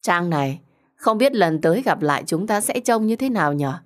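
A woman's voice: on the low side, animated, normal speed, lightly acted. A woman voicing a cruel, treacherous young woman in an audio story, with a mocking, condescending and sarcastic manner.

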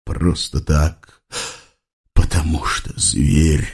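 A man's voice: rumbling low, fairly even intonation, extremely slow, gravelly, darkish tone, husky, pitched below the performer's own voice, full character voice. A man voicing a grim, contemptuous captive scout who mutters curt replies. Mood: sullen.

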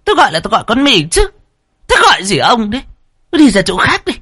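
A man voicing the shrill, furious first wife of a rural landlord, screeching and cursing at a servant. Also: huge pitch swings, fast talker, pushed and bright, husky, full character voice. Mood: screaming.

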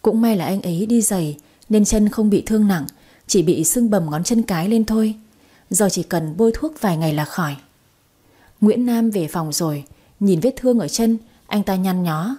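A woman narrating a first-person story in a lively, conversational way. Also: mid-range voice, normal speed.

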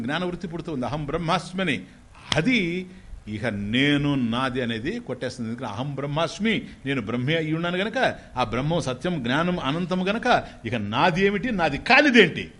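A man giving a Vedanta discourse as a spiritual teacher. He asks his listeners questions and answers them himself, and he slowly chants Sanskrit phrases. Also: a little high, a bit bright.

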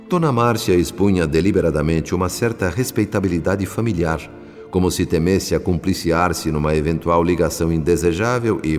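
A man's voice: sits low, darkish tone. A man playing the solemn narrator of a Brazilian radio drama, with a Brazilian accent and a formal, literary delivery. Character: solemn spirit narrator, grave and literary observer. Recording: long reverb under faint music.

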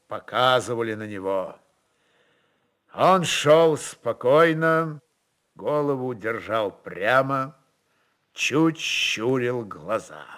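A man narrating a literary story in an expressive, dramatic reading style. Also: mid-range voice.

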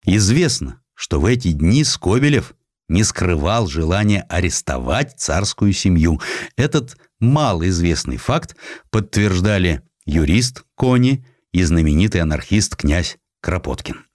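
A man with a fairly low voice narrates a historical tale in a dry, close recording. His delivery is expressive storytelling with very lively intonation, shaped like a dramatized audiobook. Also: a little slow, no room sound. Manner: expressive storytelling with acted quotations.

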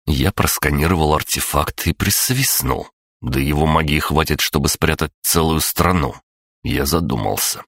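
Very deep male audiobook narrator. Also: moderate pace, creaky, fairly bright tone, no echo, studio quality. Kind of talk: first-person audiobook narration.

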